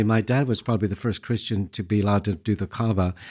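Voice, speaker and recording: A man with an unremarkable speaking voice talks at a fairly quick pace and fairly low pitch, his intonation fairly even, on a very clean recording with a silent background. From Canada. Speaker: festival founder and filmmaker. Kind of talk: casual interview chat. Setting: studio.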